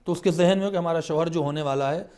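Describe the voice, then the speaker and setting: Guy on a talk show, earnest and emphatic, kinda higher pitched voice. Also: dark tone. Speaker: religious scholar guest. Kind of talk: studio talk show discussion.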